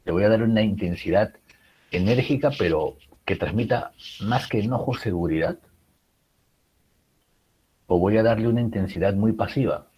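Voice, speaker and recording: A man's voice: on the low side, moderate pace, pauses often, husky, dull audio. A man teaching a writing class, explaining public speaking with many rhetorical questions and fillers. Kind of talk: recorded class lecture.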